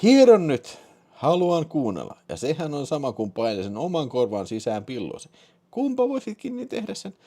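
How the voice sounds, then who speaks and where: A squeaky, panting woman on the phone, played by a man in falsetto, lustful and breathless. It is a comic dramatic reading of an erotic story. Her pitch swoops wildly from line to line. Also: sing-song, dark tone. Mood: breathless, lusty. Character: aroused middle-aged woman caller on the phone.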